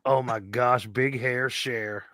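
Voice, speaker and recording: A man's voice: medium pitch, steady tone, slow, pushed and bright, no echo, clean studio sound. A man in his forties hosting a live stream, chatting nostalgically while opening card packs. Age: 40s. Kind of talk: casual live-stream chat.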